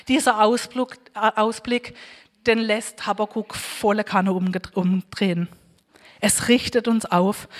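A woman giving an earnest sermon, reading scripture aloud slowly and exhorting her listeners. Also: on the high side. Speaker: preacher. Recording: long hall reverb.

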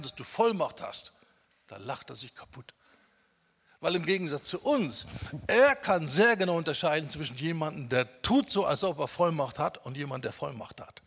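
A man preaching a sermon emphatically, asking rhetorical questions and swinging between loud and quiet. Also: on the high side, gravelly, breathy edge. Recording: long hall reverb.

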